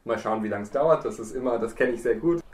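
A man hosts a podcast in a friendly way, asking questions and summing up what his guest says. His voice sounds echoey and a bit far from the mic, as if he were in a bare room. His pitch is in the middle range. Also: fast talker, a little mellow, slight background noise. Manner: friendly, guiding questions, summarizing. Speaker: podcast host. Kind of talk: casual podcast interview.

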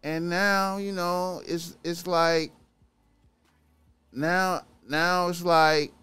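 A man's voice: high-pitched, level tone, very slow, sharp tone, clean tone. A man giving casual reaction commentary as a commentator, in slangy talk that keeps circling back to repeated phrases.

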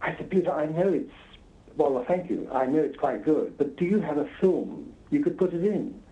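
A man's voice: a little high, animated, normal speed. A man being interviewed as a guest, telling anecdotes conversationally in a hesitant, self-interrupting way. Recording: slightly dull, lo-fi sound.

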